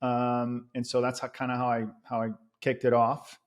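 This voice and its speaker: A man in his forties from Venezuela tells his story at an easy, relaxed pace. He fills his talk with "um" and "dude" and keeps it casual. He speaks close into a boom mic in a studio, at an ordinary mid pitch. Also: moderate pace. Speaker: podcast host and guest. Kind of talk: casual interview chat. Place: studio with a bright neon sign on a plain wall.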